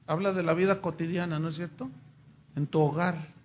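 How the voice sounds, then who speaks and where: A man's voice: fairly high pitch, steady tone, moderate pace, a little mellow, a little hiss or hum. A man in his fifties, a pastor, preaching a conversational sermon in a church full of rhetorical questions.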